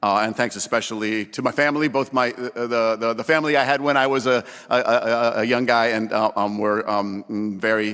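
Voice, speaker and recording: A man with a Pittsburgh accent talks at a fairly quick pace in a medium pitch, his tone bright and sharp, his intonation fairly even, with hardly any pauses. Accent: Pittsburgh American English. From US, Pittsburgh. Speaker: professor. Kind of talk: acceptance speech. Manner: halting, many fillers.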